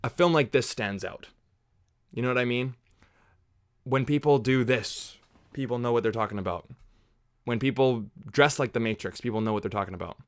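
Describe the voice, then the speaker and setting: A man's voice: mid-range voice, normal speed, pauses often, dry recording, clean studio sound. A man from Canada hosting a casual movie watch-along livestream, chatting and rambling off on tangents while answering viewers.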